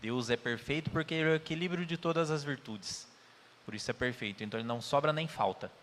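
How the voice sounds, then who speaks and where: A man's voice: mid-range voice, quick pace, fairly bright tone, a little hiss or hum. A man with a Brazilian Portuguese accent giving an earnest spiritist talk, telling stories with quoted dialogue. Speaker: spiritist lecturer. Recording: reverberant hall.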